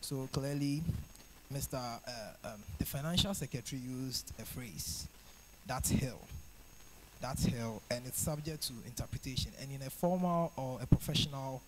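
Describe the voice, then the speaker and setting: A young man with a Ghanaian English accent raising a point of order in a student parliament, deliberate and formal. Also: medium pitch, a little hiss or hum, rough recording. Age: young adult.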